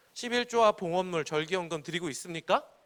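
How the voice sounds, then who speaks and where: The intonation here is lively. A man delivers it at a medium tempo. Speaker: youth pastor. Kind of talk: sermon. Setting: church service with congregation. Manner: animated, call-and-response.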